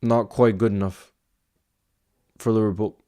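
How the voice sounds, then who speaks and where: A man's voice: lowish voice, little pitch movement, unhurried, mellow. A man hosting a casual football live stream, answering viewer comments in a chatty, thinking-aloud way with small restarts.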